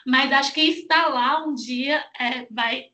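Bright, high-voiced young woman host. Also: slow. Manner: chatty, laughs often, many fillers. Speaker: Chinese teacher and host. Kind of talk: casual video-call interview. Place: small room at home, indoors. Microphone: headset on a video call.

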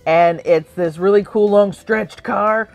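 A woman in her thirties, co-hosting a casual chat about toys in a room full of shelves, excitable and giggly. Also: mid-range voice, slow, creaky, faint music behind. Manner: excitable, giggly, squeals when surprised. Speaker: co-host. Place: home collection room with shelves.

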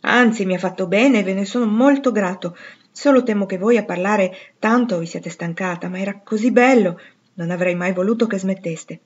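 A woman reading the part of a shy, courteous teenage boy in a storybook, polite and gently teasing. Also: mid-range voice, moderate pace, husky, muffled recording, natural voice.

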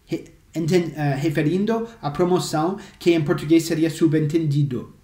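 A man who is a native English speaker teaching English, explaining phrases slowly and repeating examples for drill. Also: fairly high pitch, dark tone. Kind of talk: language lesson to camera. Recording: echoey room.

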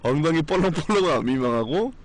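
A man's voice: fairly high pitch, animated, fast talker, over music. A man on a live stream with a strained, recovering voice, chatting in a rambling way with viewers, blunt and swearing now and then. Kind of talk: casual live-stream chat.

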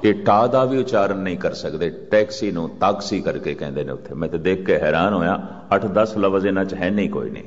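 An older man giving a religious discourse, speaking slowly and measuredly and chanting scripture lines. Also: low voice, animated. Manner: slow, measured delivery with chanted scripture quotes. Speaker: Sikh preacher. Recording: muffled archival recording with long reverb.

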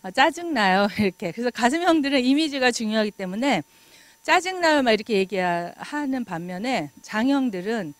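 A middle-aged woman giving a lecture in an animated way, laughing often and acting out remarks. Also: fairly high pitch, a little fast, hardly any pauses, no room sound.

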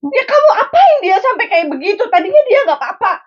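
A man voicing a tearful young woman coffee seller who pleads in a wailing falsetto. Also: big pitch swings, fast. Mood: sobbing. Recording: dull lo-fi recording.

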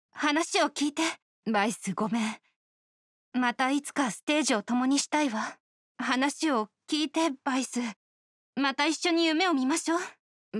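A proud young oni woman from a video game, with a fairly high voice recorded dry and close. She is a star musician and a perfectionist. Her delivery is poised, exacting and sure of itself. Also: no room sound. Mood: earnest, pleading. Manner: poised, self-assured, exacting. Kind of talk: Japanese video game character voice lines.

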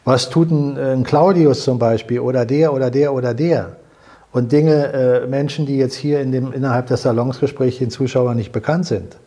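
In a fireplace-lit living room, an older host leads a salon conversation in a steady, mellow, medium-pitched voice with a breathy edge and moderate pace. He earnestly explains things, repeating words while hunting for the right ones.

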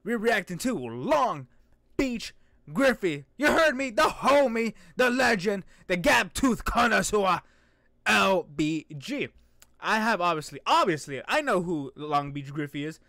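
A man's voice: sits high, very animated, a little slow, sharp tone, dry recording, clean studio sound. A young man hosting a reaction video with casual, playful, joking and exclamatory commentary. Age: young adult. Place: small indoor room.

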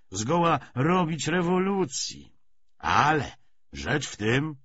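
A self-assured Bolshevik commissar, acted out by a male audiobook reader, lectures with deliberate emphasis. The voice is a little husky and swings widely in pitch, at a measured pace. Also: a bit bright, highs cut off, heavily acted. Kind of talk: audiobook character dialogue.

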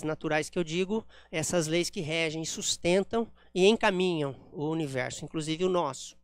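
A man's voice: high voice, fairly bright tone, smooth, no echo. A man giving a spiritist lecture at a center, explaining ideas step by step with frequent "né?" tags. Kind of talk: public lecture with slides.

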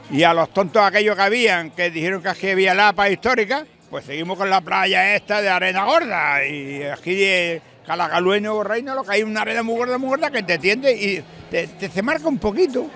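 A man's voice: high-pitched, normal speed, pushed and bright. An older man with an Andalusian accent, chatting in a rambling, folksy, emphatic way in an outdoor interview at night. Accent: Andalusian Spanish. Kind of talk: casual chat. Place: beach bar terrace at night, outdoors. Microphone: handheld mic held by interviewer. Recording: music and crowd faintly behind.

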